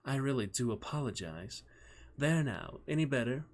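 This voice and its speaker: Man voicing an elegant British young woman, lifted pitch. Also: lively intonation, normal speed, natural voice. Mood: apologetic, tender.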